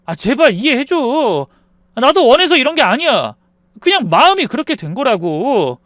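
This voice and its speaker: A woman's voice: sits high, big pitch swings, moderate pace, a bit bright, dry recording, studio quality, pitched above the performer's own voice. Woman doing a pleading, stubborn husband. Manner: pleading, defensive.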